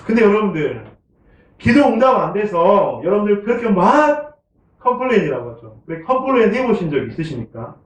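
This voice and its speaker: A man's voice: high-pitched, big pitch swings, brisk. A male pastor preaching a Sunday sermon in a conversational way, often asking the congregation questions and chuckling. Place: church sanctuary. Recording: echoey room, from a distant mic, dull sound.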